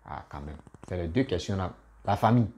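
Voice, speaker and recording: A man, a comedian talking casually to his followers in an animated, repetitive way, often laughing at himself. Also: deep voice, fairly quick. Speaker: comedian and YouTuber. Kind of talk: casual political commentary vlog.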